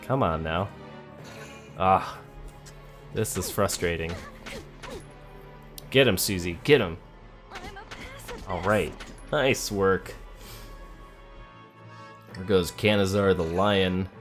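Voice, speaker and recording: A man's voice: low voice, takes it slowly, long pauses, a bit bright, soft background music. A man giving casual let's play commentary on a video game, thinking aloud and talking to the characters as he plays. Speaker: gamer playing a video game.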